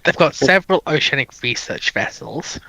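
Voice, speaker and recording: Bright-voiced man explaining things casually. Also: fairly high pitch, animated, moderate pace, creaky, dry recording, rough recording. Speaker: panelist. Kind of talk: casual explaining of fictional lore.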